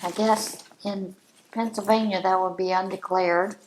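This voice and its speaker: A woman talking slowly and deliberately in a casual chat, as a crafting channel host speaking from home. Her voice sits at an ordinary middle pitch, and she comes across as earnest and heartfelt. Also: fairly even intonation.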